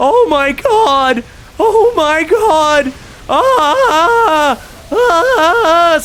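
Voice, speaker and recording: A put-on character voice at an extremely high pitch, at a very slow pace over light background noise. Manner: panicked, screaming.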